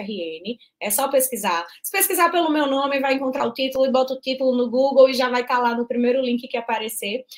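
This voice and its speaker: A woman talks fairly quickly in a high voice. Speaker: linguist and schoolteacher. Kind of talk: interview. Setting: podcast. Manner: fast.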